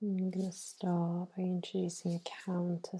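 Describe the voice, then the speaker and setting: Soft-spoken and somewhat breathy, a woman with a fairly low pitch talks in a gentle, dark, mellow tone with monotone, flat intonation. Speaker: facial therapist giving a facial massage. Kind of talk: ASMR facial massage guidance. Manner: soft-spoken, gentle, slow-paced.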